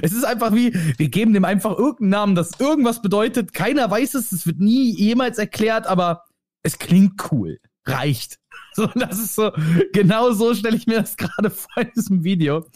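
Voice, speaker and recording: A young man co-hosting a casual podcast, talking in animated, rambling stretches. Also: high-pitched, moderate pace, no room sound, studio quality. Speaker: podcast co-host. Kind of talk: casual chat.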